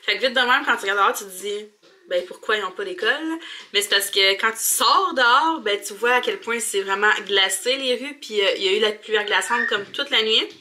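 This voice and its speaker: A woman's voice: medium pitch, a little fast, pushed and bright. A young woman with a Quebec French accent, chatting informally and colloquially to the camera as a vlogger in her home bathroom. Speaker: mom vlogger. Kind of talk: casual vlog chat to camera.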